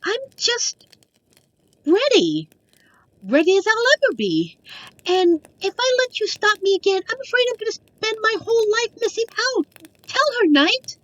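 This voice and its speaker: A woman's voice: very high voice, very animated, unhurried, a bit bright, dull audio, heavily acted. A woman playing a young, stubborn princess in a fantasy audio drama, speaking insistently and emotionally. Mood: frustrated, resolute. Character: young princess, stubborn, determined to leave home.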